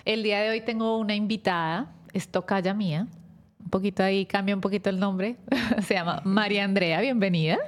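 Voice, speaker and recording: A woman hosting a Catholic talk show, speaking gently and devoutly, leading a prayer and welcoming her guest. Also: mid-range voice, a little fast. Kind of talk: warm faith-based interview with prayer.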